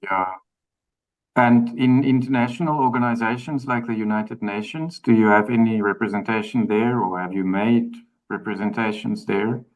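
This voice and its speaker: A man's voice: on the low side, fairly even intonation, moderate pace, rough recording. A man interviewing someone, putting polite questions.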